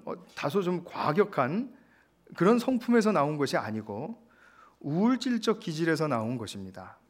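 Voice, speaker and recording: A man preaching a sermon, explaining scripture with pauses, fillers and acted-out quotes. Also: fairly high pitch. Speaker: pastor.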